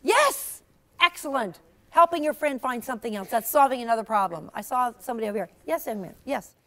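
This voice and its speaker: A woman storyteller talking with young children in an encouraging, animated, teacherly way, asking questions and praising. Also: a little high, a little fast, background noise.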